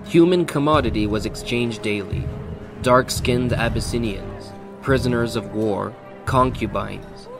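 A man narrating a historical audio drama in a measured, scripted way. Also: mid-range voice, over music.

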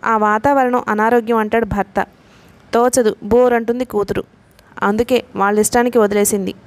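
A woman reading a novel aloud in a steady storytelling manner. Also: a little high, normal speed. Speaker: audiobook narrator.

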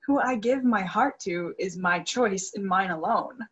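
A woman's voice: mid-range voice, unhurried, fairly bright tone, husky. A young woman acting an earnest, grieving young soprano devoted to her father in a dramatic play reading. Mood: defensive. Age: young adult. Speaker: actress in a virtual staged reading. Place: indoor room, video call. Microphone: video call microphone.

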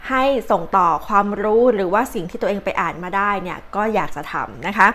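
A woman's voice: medium pitch, fast, fairly bright tone. A young Thai woman hosting her own advice vlog, chatting casually with many fillers and polite particles. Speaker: channel host, astrology and advice vlogger. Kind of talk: casual chatty explainer, translating tips.

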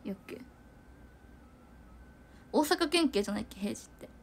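A woman's voice: on the high side, lively intonation, moderate pace, gravelly, a little hiss or hum. A young woman chatting casually to viewers on a livestream, giggling and rambling with lots of fillers. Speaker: idol livestreamer.

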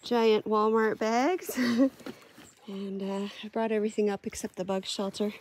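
A woman's voice: mid-range voice, fairly even intonation, unhurried, a little mellow, slight background noise. A woman giving a casual, chatty camping vlog tour outdoors, with easy laughs and lots of fillers. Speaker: camping vlogger. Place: outdoors at a lakeside forest campsite.

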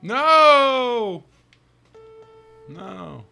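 A man records casual commentary as he plays a video game. His voice is bright and swings widely in pitch as he reads on-screen text and talks to himself in exasperated asides. Game music plays underneath. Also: big pitch swings, extremely slow, vocal fry. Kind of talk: casual let's-play commentary, reading game text aloud.

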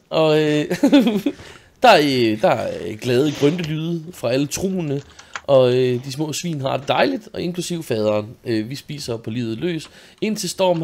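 A gravelly-voiced young man from Denmark chats casually while gaming. He tells a story about home life, laughing easily and cursing freely, speaking into a desk microphone. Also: mid-range voice. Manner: laughs often, swears casually. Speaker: gaming video host.

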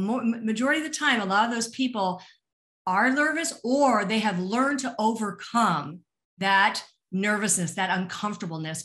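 A woman's voice: mid-range voice, a bit bright. Middle-aged woman coach presenting a webinar. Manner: encouraging, addresses listeners directly with rhetorical questions. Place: small indoor room, online webinar. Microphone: video call.

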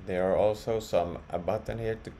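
A man presenting a casual software walkthrough, explaining step by step in a halting way. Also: on the low side, steady tone. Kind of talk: casual screen-share walkthrough. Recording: clearly audible background noise.

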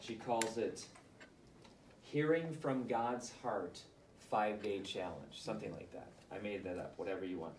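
A man coaching aspiring authors in front of a live audience, firing off quick advice and rhetorical questions. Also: on the low side, a little hiss or hum. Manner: energetic, rapid-fire advice with rhetorical questions. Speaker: book coach. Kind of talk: live group coaching session. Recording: roomy, distant mic, faint ambience.

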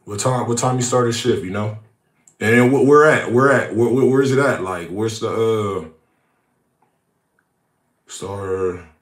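A man in his thirties talking casually in slang as a prank caller, halting and repeating himself, recorded on a phone in a room. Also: on the low side, echoey room. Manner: halting, repetitive, street-slang talk. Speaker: prank caller, show host. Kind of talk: casual, profane prank call show. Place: small indoor room.

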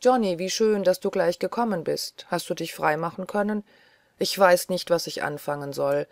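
A woman's voice: on the low side, moderate pace, no echo, natural voice. Woman reading a tired, fretful young doctor. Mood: agitated. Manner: restless, pleading chatter.

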